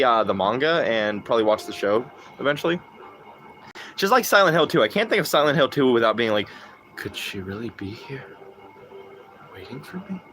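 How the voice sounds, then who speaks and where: A young man live-streaming a game, chatting casually, swearing and getting excited. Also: slight background noise. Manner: profane, excitable, quick swings in pitch. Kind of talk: casual live-stream chat while gaming.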